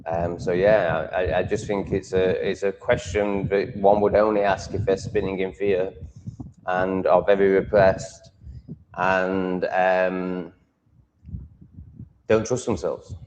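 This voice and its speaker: A man's voice: low voice, level tone, takes it slowly. A man hosting a livestream in a blunt, profane, mocking manner. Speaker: livestream host. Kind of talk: casual livestream rant. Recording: long reverb, faint noise.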